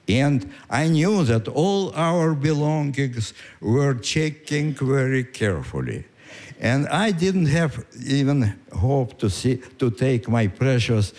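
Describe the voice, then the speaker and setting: A man in his nineties with a Russian accent, telling a story on stage in a halting way with many pauses and fillers. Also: mid-range voice, darkish tone. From Ukraine. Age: 90s. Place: stage before a live audience.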